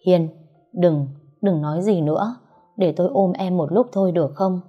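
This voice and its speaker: A woman voicing a tender young man, a lover come home, speaking softly and lovingly in a storybook reading. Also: on the low side, normal speed, husky. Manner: soft, loving and gentle. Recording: slightly muffled, soft background music.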